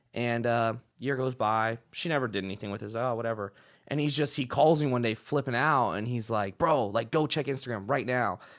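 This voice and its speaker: A man with an unremarkable speaking voice talks at a fairly quick pace in a medium pitch with ordinary pitch variation. The recording is very clean, and the background is silent. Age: 20s. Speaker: bodybuilder. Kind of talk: casual chat.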